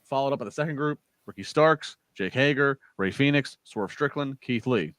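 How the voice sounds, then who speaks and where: A man's voice: medium pitch, normal speed, fairly bright tone, no room sound. A man hosting a casual wrestling podcast, rambling through a show recap with many fillers and restarts. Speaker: podcast host.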